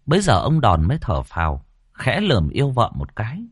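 A man telling a dramatic story with vivid, expressive narration. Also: mid-range voice, a little fast, slightly rough, no echo, studio quality.

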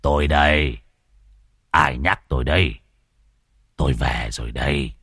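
A man's voice: extremely low pitch, measured pace, a bit bright, slightly rough, no echo, voice pushed down, heavily acted. A man voicing an old male village exorcist who stammers and whimpers. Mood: jovial. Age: older.

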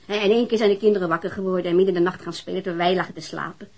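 A woman's voice: on the low side, steady tone, rapid-fire, darkish tone. An actress playing a weary, defensive divorced mother, answering questions hesitantly in a naturalistic radio drama. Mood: defensive, aggrieved.

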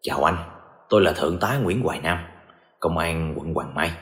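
A man voicing a stern, formal police colonel speaking in a low measured voice. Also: fairly bright tone. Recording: echoey room with music behind.

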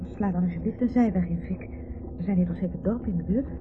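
An actress playing an anxious, fretting wife who pleads from the passenger seat in a Dutch radio play. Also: female voice, on the low side, quick pace, lightly acted. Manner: worried, pleading. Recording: muffled, noisy old radio recording.

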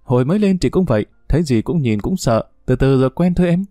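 A man voicing a gentle, affectionate older sister in a spoken story, talking quickly. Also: medium pitch, animated, dry recording, clean studio sound, soft background music, close to an everyday voice.

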